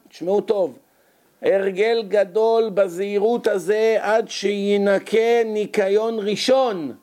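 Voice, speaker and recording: A man teaching a Jewish ethics text in a lively, conversational way, asking his listeners rhetorical questions. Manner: sharp drops and rises in pitch for emphasis. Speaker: Torah teacher.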